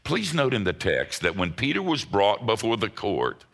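Gravelly deep-voiced male preacher. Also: wildly swooping pitch, normal speed, fairly bright tone. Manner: folksy, emphatic and joking. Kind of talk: sermon. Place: church service before a congregation.

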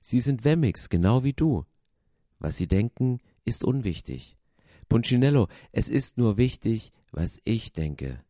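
A man voicing a big, bearded, kindly woodcarver with a deep, strong voice and a slow, reassuring manner. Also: very animated, dark tone, no room sound, clean studio sound.

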